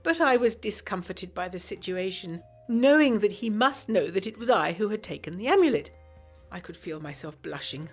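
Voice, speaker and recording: A woman's voice: medium pitch, animated, normal speed, soft background music. A woman playing a genteel, secretive young 1920s Englishwoman, narrating a gothic audio drama in a refined, confiding way. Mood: uneasy, reflective. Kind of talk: scripted first-person audio drama narration.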